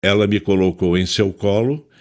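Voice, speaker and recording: A man's voice: on the low side, normal speed, natural voice. An actor with a Brazilian accent playing a tormented, self-loathing psychiatrist in an audio drama, anguished and theatrical as he confesses. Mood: brooding, regretful.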